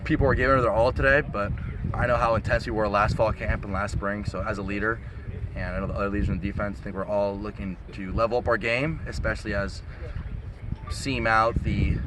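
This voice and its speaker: A man's voice: on the low side, noisy background. A young man, a college quarterback whose first language was Spanish, talking earnestly and openly to reporters outdoors. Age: young adult. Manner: earnest, relaxed and talkative. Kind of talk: outdoor media interview.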